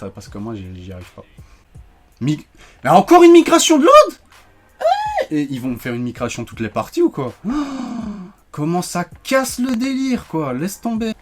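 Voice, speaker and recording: A man giving joking, animated commentary while playing a shooter, ranting when things go wrong. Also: mid-range voice. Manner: animated, joking, quick to rant when frustrated. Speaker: gaming YouTuber. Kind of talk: live gameplay commentary.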